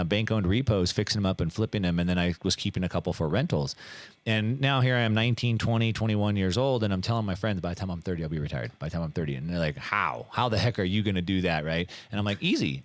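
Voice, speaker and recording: A middle-aged man telling his life story in a casual interview, animated and full of fillers and restarts. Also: fairly low pitch, quick pace. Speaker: guest.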